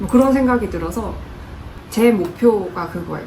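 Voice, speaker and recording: Over noticeable background noise and audible room echo, a woman speaks with lively intonation at a fairly high pitch. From Korea, Busan. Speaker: plant YouTuber. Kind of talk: Q&A vlog, casual talk to viewers.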